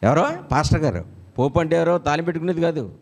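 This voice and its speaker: A pastor with a Telugu accent delivers an animated sermon. His voice sits a little high for a man. He swings between teaching and playful storytelling. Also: fast talker. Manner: animated preaching with jokes and acted-out quotes.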